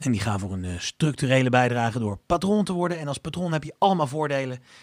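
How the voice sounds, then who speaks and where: A man's normal speaking voice at medium pitch, lively in intonation, in a dry, close sound with no echo. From Netherlands, Leidschendam. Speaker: podcast host, guitarist. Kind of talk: casual interview. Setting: live remote stream.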